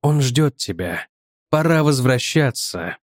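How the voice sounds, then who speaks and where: A man voicing a weary, calm old male professor in an audiobook, low and unhurried. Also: dry recording, studio quality. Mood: gentle. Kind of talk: audiobook character voice.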